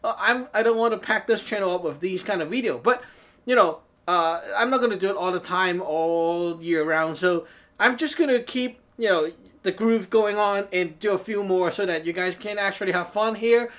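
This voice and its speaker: A chatty Hong Kong man, a native Cantonese speaker, talks to camera in a high, slightly bright voice at normal speed. As a Taoist teacher and show host giving a casual talk show monologue, he laughs often and keeps asking "okay?"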